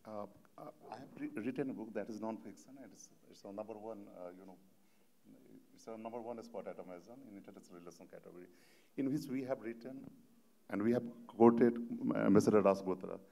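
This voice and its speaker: A man interviewing an author on a festival stage, halting and repeating words as he asks long questions. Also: on the low side, creaky, dark tone. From Madhes, Nepal. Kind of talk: literary panel interview.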